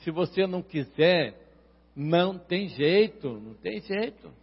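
A man with a Brazilian Portuguese accent preaching a sermon to his congregation, calling members by name and rising into loud, impassioned passages. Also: high voice, animated, a little slow, vocal fry, slightly rough. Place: church. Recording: reverberant church hall, dull lo-fi sound.

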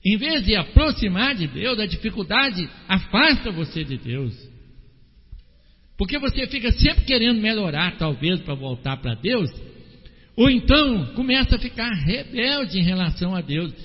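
Um homem pregando num culto, com voz animada que sobe e desce de forma dramática. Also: male voice, normal speed, in a large hall, muffled recording. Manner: animated preaching with dramatic swings of pitch and pace. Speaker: pastor. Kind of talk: sermon. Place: church hall.

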